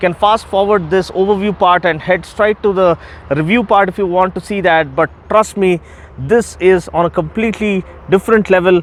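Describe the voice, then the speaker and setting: A man's high voice against noticeable background noise. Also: moderate pace. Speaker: motorcycle reviewer. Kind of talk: product review. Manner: animated.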